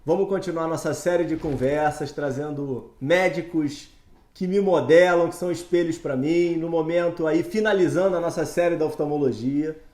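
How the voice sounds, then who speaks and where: A man's voice: on the high side, normal speed, darkish tone, roomy sound. A Brazilian man who hosts an interview podcast as a doctor, chatty and enthusiastic, full of fillers. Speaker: host, ophthalmologist.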